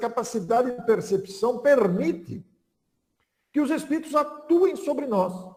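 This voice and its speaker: In a room with audible echo, a man talks at a fairly slow pace in an extremely high pitch with very wide pitch swings. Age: 60s. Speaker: spiritist lecturer. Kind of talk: lecture.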